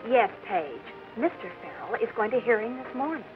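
A poised young American woman an actress as a studio receptionist, kind but tart. Her pitch moves in lively swoops, in period Hollywood style on a dull old soundtrack. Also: normal speed, natural voice. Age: young adult. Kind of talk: 1940s Hollywood film acting. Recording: dull old film soundtrack, faint music.

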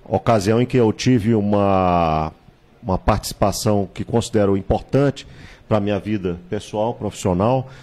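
Low, mellow-voiced man in his sixties. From Salvador, Bahia, Brazil. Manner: measured, reminiscing, frequent hesitations and tag questions. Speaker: political candidate, guest. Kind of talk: studio interview, recounting his life. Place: small TV studio with virtual set. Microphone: handheld mic.

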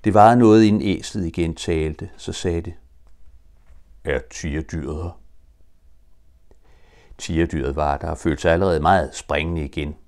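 A man's voice: sits low, few pauses. Old Danish man reading a storybook. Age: older. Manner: lively, expressive storytelling. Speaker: audiobook reader. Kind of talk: reading a children's storybook aloud.

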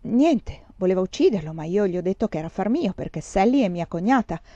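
A woman's voice: medium pitch, expressive, quick pace, warm tone, no echo, highs cut off, natural voice. Woman reading a desperate, boastful fugitive man. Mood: excited. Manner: urgent, boastful, raised voice.

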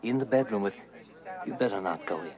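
A man's voice: lowish voice, lively intonation, brisk, highs cut off, close to an everyday voice. A man voicing a glum, terse, muttering father in a family cartoon. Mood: subdued.

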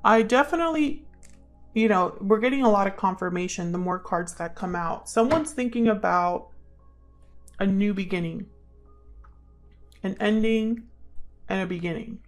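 A woman's voice: mid-range voice, moderate pace, long pauses, soft background music. A woman hosting a casual tarot reading for viewers, musing aloud as she explains and calls on spirit guides. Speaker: tarot reader and channel host.

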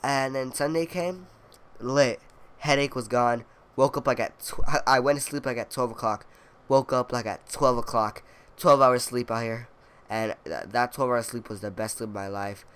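A young gaming video creator talks over his gameplay with a stuffy, congested voice and an occasional cough. His medium-pitched voice is clean and fairly bright, moving at a moderate pace. He rambles casually, using plenty of fillers and some playful boasting.

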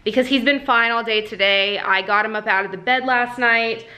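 A woman's voice: a little high, moderate pace, bright, forceful tone. A young woman in casual vlog chat from her home office, talking with lots of fillers into a camera mic. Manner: chatty, many fillers, baby-talks to her puppy. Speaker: vlogger and small shop owner.

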